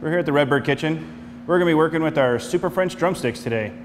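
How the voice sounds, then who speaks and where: A man's voice: fairly high pitch, fast, long reverb tail, a little hiss or hum. A man in his forties, a chef walking through a cooking demonstration step by step in a studio kitchen. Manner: explanatory, steady step-by-step instructions.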